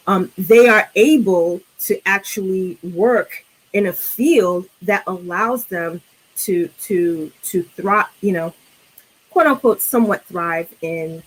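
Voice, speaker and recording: A woman's voice: mid-range voice, poor audio. Reflective New York woman. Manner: reflective, hesitant with many fillers and restarts. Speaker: guest film discussant. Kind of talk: casual film discussion.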